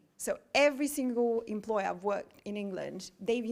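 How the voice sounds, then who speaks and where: On a very clean recording with a silent background, a woman speaks with a non-native accent. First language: not English. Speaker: construction operations manager. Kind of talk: speaking to a group about her career. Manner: hesitant, many fillers.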